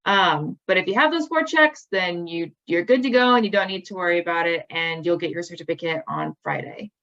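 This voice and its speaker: A woman's voice: lowish voice, fairly quick, vocal fry, fairly bright tone, highs cut off. A young woman hosting an online program event, speaking casually with lots of ums and likes. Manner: casual, filler-heavy, with many ums and likes. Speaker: program host.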